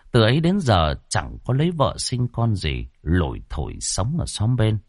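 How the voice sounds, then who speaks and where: Expressive male ghost-story narrator. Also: sits low, dry recording, clean studio sound.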